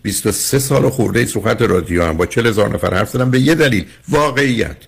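An older man who's a psychologist hosts a radio call-in show, lecturing a caller emphatically and repeatedly calling him "dear." His voice sits on the low side, husky with vocal fry and lively intonation.

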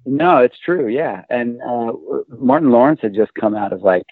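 A man's voice: mid-range voice, animated, moderate pace, no room sound. An American man chatting as a comedian guest, telling rambling, sweary, self-deprecating anecdotes. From Maryland, USA. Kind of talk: casual anecdotal chat. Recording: narrow tinny phone-like line, dry.

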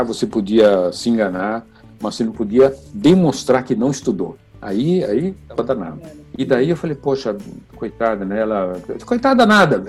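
Husky older Brazilian man telling stories. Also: mid-range voice. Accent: Brazilian Portuguese. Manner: lively, acts out quoted dialogue and laughs often. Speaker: oboist telling stories to an interviewer. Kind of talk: anecdotal storytelling in an interview.

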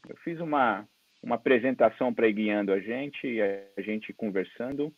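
A man's voice: lowish voice, moderate pace, dry recording. A man with a Brazilian Portuguese accent giving a conversational, explanatory online lecture as a guest expert, on slightly dull call audio. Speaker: guest medical expert and presenter.

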